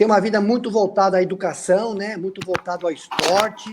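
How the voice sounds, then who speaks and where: A high-pitched man at a fairly quick pace, with noticeable background noise. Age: 60s. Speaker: physical education teacher and basketball coach. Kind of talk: live video chat introduction.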